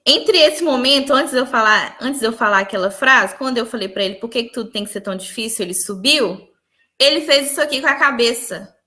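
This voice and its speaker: A young woman earnestly recounting a personal spiritual experience in an interview, often dropping to quiet tones. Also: on the high side. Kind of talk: emotional personal testimony.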